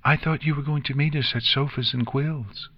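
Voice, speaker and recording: A man's voice: medium pitch, fairly even intonation, moderate pace, no room sound, lo-fi sound, voice pushed up, close to an everyday voice. A man voicing a shy, polite and eager little pony filly in a storybook narration. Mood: eager, excited.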